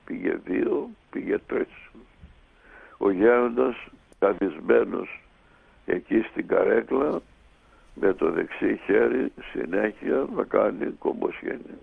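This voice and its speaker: Gravelly man telling a story over a phone line. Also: fairly low pitch. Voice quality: gravelly and husky. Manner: lively, animated retelling with many pauses. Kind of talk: anecdotal storytelling on radio. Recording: tinny phone line on radio.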